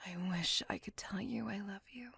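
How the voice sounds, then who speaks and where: A woman voicing a brooding, possessive female vampire in a whispered ASMR roleplay, speaking in a soft, breathy, gravelly whisper close to the mic. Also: medium pitch, moderate pace, no room sound, exaggerated voice. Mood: longing. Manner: soft confessional whisper throughout.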